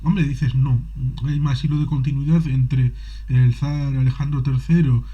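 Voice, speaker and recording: A man with a very dark, husky voice speaks in a sarcastic, animated way, acting out mock quotes. The audio is dull and lo-fi. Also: medium pitch, a little slow. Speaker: conversation guest. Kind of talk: casual conversation.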